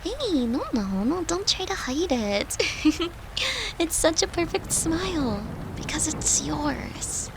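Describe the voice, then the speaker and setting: Tender, slow-talking devoted girlfriend, acted by a woman. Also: sits high, very animated, noisy background, exaggerated voice. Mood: playful, affectionate. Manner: tender, soothing, coaxing, slipping into breathy murmurs. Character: devoted human girlfriend, tender, playful, fiercely protective occultist. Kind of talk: intimate comfort audio roleplay.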